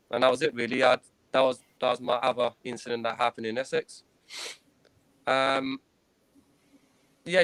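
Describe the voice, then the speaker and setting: A man in his thirties speaks as an interview guest, telling his own story in an earnest, halting way. His voice sits at an ordinary middle pitch. It is recorded dry, with no room echo. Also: fairly bright tone, clear, resonant tone. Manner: earnest, hesitant, frequent pauses and restarts. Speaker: guest, former professional cricketer. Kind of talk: recounting personal experiences in an interview.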